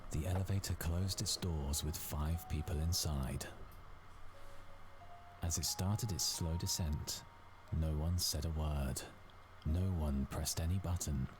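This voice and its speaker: A man's voice: a bass voice, measured pace, over music. A man reading scripted story narration for a visual novel. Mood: narrating. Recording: clearly noisy background.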